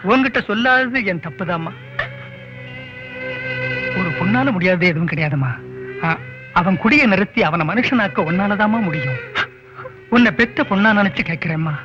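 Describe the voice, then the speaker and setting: An actor playing a weary older uncle in a film, speaking in a coaxing, earnest way. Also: male voice, sits high, expressive, normal speed, pauses often. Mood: pleading. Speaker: film character. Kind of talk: film dialogue. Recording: dull film audio with music.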